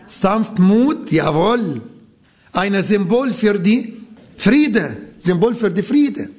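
Male preacher, Arabic accent, high voice, unhurried, halting delivery with self-corrections. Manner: halting, searches for words and corrects himself. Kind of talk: sermon.

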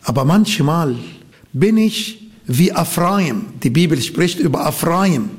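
Male preacher, Arabic accent, high voice, unhurried, halting delivery with self-corrections. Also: animated. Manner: halting, searches for words and corrects himself. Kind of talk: sermon.

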